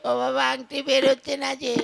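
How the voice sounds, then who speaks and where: A woman voicing a naughty, frightened little boy in a Bengali folk puppet comedy, whining and pleading with a creaky voice. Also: sits high, flat delivery, brisk. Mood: whiny pleading. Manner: wailing, exclaiming, pleading. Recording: loud tabla and instrumental music behind. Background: loud folk music with tabla.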